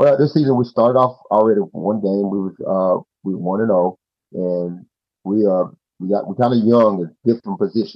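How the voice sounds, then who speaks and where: Speaking at a moderate pace, a man with an American accent has a fairly low pitch and ordinary pitch variation. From Texas, Houston. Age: 60s. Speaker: high school football head coach. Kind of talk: interview. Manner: halting, repeats words.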